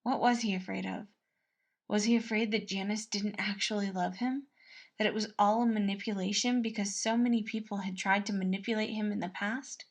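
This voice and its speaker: A woman reading a scripted story aloud as narrator, expressive and measured. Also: medium pitch. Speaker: fan-fiction podfic reader.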